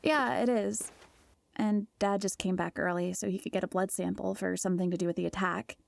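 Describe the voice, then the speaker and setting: A woman's voice: mid-range voice, steady tone, brisk, creaky, no room sound. A young woman playing a guarded, wry teenage daughter in an audio drama, with an understated, questioning manner.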